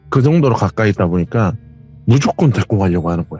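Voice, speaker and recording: Over music in the background, a man with medium pitch talks at a very fast pace with lively intonation. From rural mountain village in Korea. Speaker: viewer telling a true ghost story. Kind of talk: personal ghost story told in an interview.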